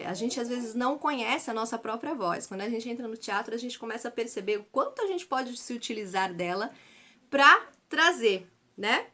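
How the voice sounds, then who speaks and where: A Brazilian woman with a fairly high, somewhat bright voice teaches a chatty theater lesson. She explains things using lots of fillers and tag questions.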